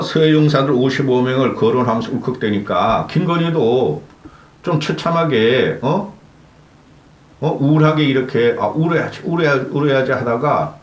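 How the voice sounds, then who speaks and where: A man's voice: medium pitch, animated, measured pace, long pauses, reverberant. A man hosting his own channel, delivering an angry political commentary rant, scolding and swearing with constant rhetorical "eh?" tags.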